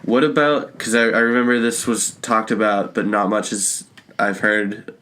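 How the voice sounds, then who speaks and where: A man's voice: lowish voice, level tone, moderate pace, sharp tone. A young man co-hosting a casual podcast, chatting informally like he is among friends. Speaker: podcast co-host. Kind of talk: casual chat about movies and video games.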